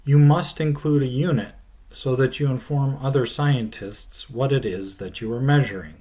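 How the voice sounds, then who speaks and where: A middle-aged man teaching a recorded science lecture, explaining slowly and deliberately, with phrase ends that drop off, filmed at a desk by a webcam in a small room with a plain white wall. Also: medium pitch, dark tone.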